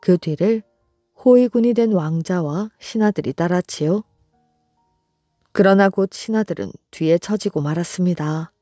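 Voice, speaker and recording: A storyteller narrating a folktale for a bedtime audiobook, in a slow, soothing, even reading. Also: medium pitch, no echo. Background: soft background music.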